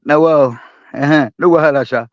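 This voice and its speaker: In casual live-room chat, a Nigerian man whose accent carries Pidgin inflection rambles, laughs and says things more than once. His voice is a little high at a moderate pace, captured on dull, dry, lo-fi stream audio with no room sound.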